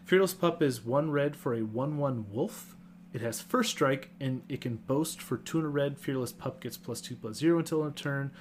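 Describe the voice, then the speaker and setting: Playful male podcast co-host, mid-pitched, chatty, light hum in the background. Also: moderate pace. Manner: chatty, playful, jumps up in pitch when excited. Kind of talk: casual chat about card games.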